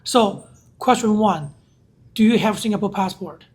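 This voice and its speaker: This host speaks English with a Chinese accent and a husky, slightly breathy tone. The questions come short and direct, often echoing an answer back to check it before moving on. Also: mid-range voice, unhurried. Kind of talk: casual interview.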